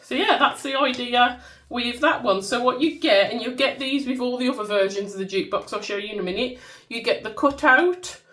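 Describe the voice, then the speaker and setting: Female, Black Country accent, highish voice, stuffy with a cold and nasal; informal, chatty product walkthrough. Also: fairly bright tone. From Black Country, England. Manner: informal, self-deprecating, given to singing bits. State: bunged up with a cold. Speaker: small-business content creator showing her products.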